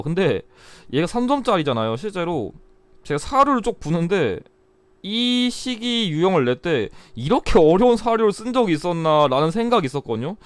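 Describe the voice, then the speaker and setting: A man's voice: fairly high pitch, clear, resonant tone, dry recording. A young man giving a blunt, chatty exam review lecture, still getting over a cold. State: recovering from a cold. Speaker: history exam tutor.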